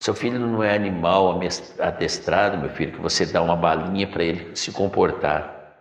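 A man's voice: low voice, normal speed. A middle-aged man giving a spiritual lecture from a chair in a decorated room, preachy, calling listeners "my son", recorded from a far camera. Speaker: spiritual teacher. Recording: echoey room with long reverb.

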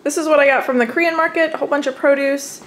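A woman's voice: sits high, fairly even intonation, rapid-fire. A young adult American woman narrating a casual, chatty home vlog from her kitchen, recorded on a camera mic. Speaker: home vlogger showing groceries. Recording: clearly noisy home camera audio.

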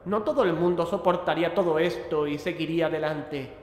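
Resolute lead investigator, male actor, horror audio series; higher male voice, echoing hall. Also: fairly quick, close to an everyday voice. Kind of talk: horror audio-drama acting. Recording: echoey hall, faint noise, ambience.

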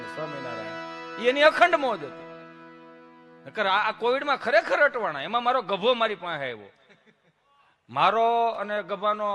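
A man telling folk jokes and stories on stage before a seated audience, with lively, preachy asides, into a stage microphone. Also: high-pitched. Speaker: folk comedian and storyteller. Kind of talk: stage folk humor storytelling.

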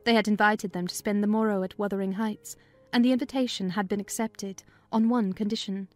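A woman's voice: medium pitch, steady tone, fairly quick, a little mellow, soft background music. A woman narrating a classic novel as a scripted, dramatized audiobook reading.

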